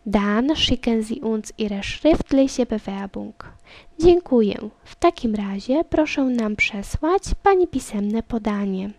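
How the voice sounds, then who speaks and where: Mellow-voiced woman reading a lesson. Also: a little high, lively intonation, no echo. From Poland. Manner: reads each line in German, then in Polish, then repeats the German slowly. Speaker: German teacher. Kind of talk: reading a language lesson dialogue.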